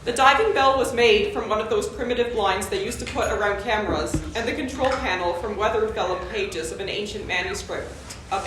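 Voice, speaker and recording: A woman giving a measured, lyrical reading of surreal fiction to a live audience at an art gallery. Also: mid-range voice, a bit bright, a little hiss or hum. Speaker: reader at a live art event. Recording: very echoey live gallery recording.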